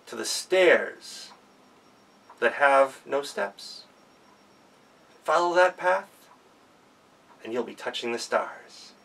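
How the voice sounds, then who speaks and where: Man playing a little wise elf, slow measured advice, gravelly, distant mic. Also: medium pitch, heavily acted. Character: very short male elf in pointed hat, wise.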